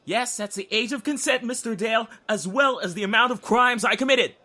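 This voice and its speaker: An actor playing a cocky, mouthy young prisoner in a black comedy audio sketch, smug, theatrical and sarcastic. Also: male voice, very high-pitched, a little fast, sharp tone, heavily acted. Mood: teasing. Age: young adult.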